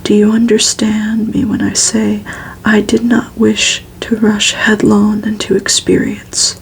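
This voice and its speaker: Woman, whispered ASMR book reading, breathy, crackly fry, flat and even intonation, hushed. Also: mid-range voice. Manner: slow, hushed, even delivery. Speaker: ASMR reader and host.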